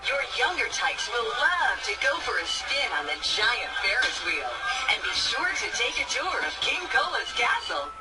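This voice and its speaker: A woman's voice: fairly high pitch, sing-song, normal speed, recorded from a distance, rough recording. A woman voicing a chirpy female robot theme-park guide with a metallic robot voice in a video game, her bubbly sales patter breaking into glitches. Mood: cheerful. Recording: video game audio with loud music, from afar.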